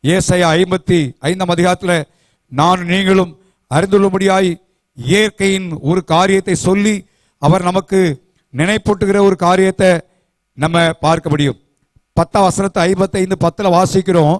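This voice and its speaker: Male pastor, fervent call-and-response preacher; pitched high, dry and close-miked. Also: fairly even intonation, normal speed, pauses often, no room sound. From South India. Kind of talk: sermon. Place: church.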